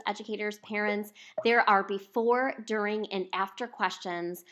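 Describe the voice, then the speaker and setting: A woman's voice: fairly high pitch, a bit bright. A woman reading a picture book aloud as its author, speaking expressively to young listeners. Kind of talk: storybook read-aloud to children.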